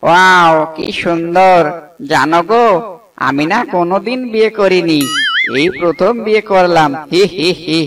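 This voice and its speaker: A man's voice: high voice, measured pace, a bit bright, far from the mic. A man voicing a silly, eager young bird bridegroom in a cartoon, goofy and exaggerated. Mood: excited, gleeful.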